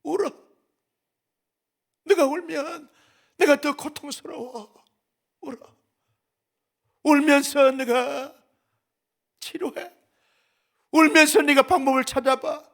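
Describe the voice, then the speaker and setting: A man's voice: extremely high pitch, slow, long pauses, a bit bright, full character voice. A man voicing God as a loving father consoling a sufferer, tender and soothing.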